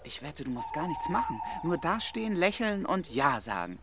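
Low, pushy activist camp leader. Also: female voice, big pitch swings, normal speed, background noise. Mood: cajoling. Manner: insistent, persuasive. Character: pushy, scheming activist camp leader, cajoling and self-assured. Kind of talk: naturalistic radio drama dialogue.

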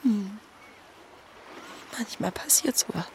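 A woman in her thirties adrift at sea, in a naturalistic radio play. She is grieving yet wry, talking in a plain, halting way at a middling pitch. Water sounds are clearly heard behind her. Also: darkish tone. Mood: grieving, subdued. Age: 30s. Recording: clear watery background noise, boat-like ambience. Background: lapping water and sea ambience.

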